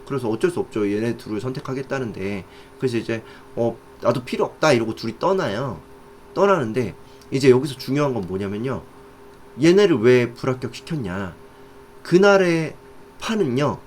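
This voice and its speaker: A man explains stock trading in a lively, casual voice, his pitch rising and falling a lot as he talks. He keeps stopping to check that the listener understands. Faint background noise sits under his voice. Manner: animated, often asks "아시겠죠?" to check understanding.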